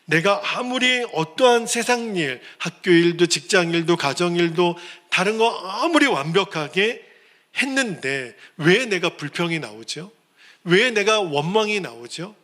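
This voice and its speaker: A man's voice: high-pitched, lively intonation, measured pace, sharp tone. A male pastor preaching a sermon in an earnest, pleading manner, now and then acting out the people he quotes.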